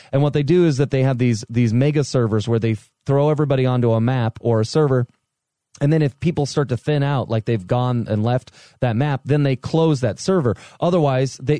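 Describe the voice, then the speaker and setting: A man co-hosting a casual podcast, telling gaming stories in an animated way with quick laughs. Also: mid-range voice, no room sound. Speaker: podcast co-host. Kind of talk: casual chat about video games.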